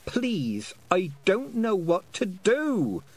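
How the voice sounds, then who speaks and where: A man voicing a stubborn, earnest young farm girl in an audiobook, pleading and sharp by turns. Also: a little high, wildly swooping pitch, normal speed, slightly rough, voice pushed up, exaggerated voice. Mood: anxious. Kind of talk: audiobook character voice.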